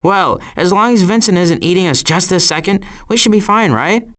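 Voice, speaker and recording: Wry, wisecracking cartoon woodland critter. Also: male voice, high-pitched, moderate pace, fairly bright tone. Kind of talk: animated video game character lines.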